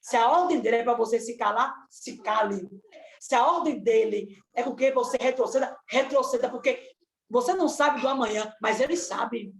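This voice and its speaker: A woman's voice: a little high, moderate pace. A woman preaching a fervent sermon, exhorting her listeners with repeated, rising calls. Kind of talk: Pentecostal-style sermon on a live stream. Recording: echoey room with faint noise.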